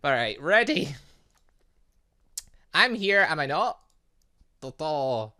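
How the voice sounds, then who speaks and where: A man's voice: on the high side, very animated, takes it slowly, sharp tone. A man doing casual let's play commentary, rambling and reacting aloud as he plays. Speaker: gaming channel host.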